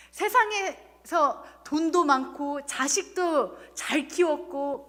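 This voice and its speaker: A woman's voice: high voice, a bit bright, long reverb tail. A woman in her thirties, a pastor giving a sermon with earnest personal storytelling and emphatic repeated phrases. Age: 30s. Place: church sanctuary.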